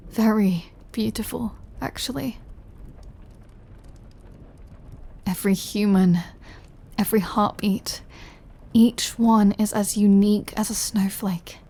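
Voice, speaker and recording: A woman playing a centuries-old vampire lover in an intimate audio roleplay, tender and brooding, speaking softly and confidingly and often dropping to a whisper. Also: medium pitch, steady tone, slow, vocal fry. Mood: wistful.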